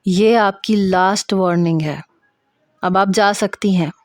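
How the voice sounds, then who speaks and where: A woman's voice: mid-range voice, no echo, close to an everyday voice. Stern male senior doctor played by a woman narrator, harsh and emphatic, dressing down a trainee, dry close sound. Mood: cold, strict.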